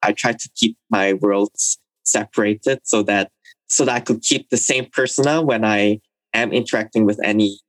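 Young man from Indonesia, interview guest, lowish voice, dry close sound, measured and reflective. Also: no echo, low-quality recording. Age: young adult. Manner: thoughtful, measured, with fillers. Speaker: interviewee, university student. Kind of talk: recorded interview.

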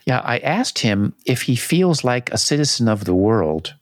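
A man co-hosting a podcast, calmly introducing recorded interview clips. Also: medium pitch, normal speed, dry recording, clean studio sound. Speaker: podcast co-host.

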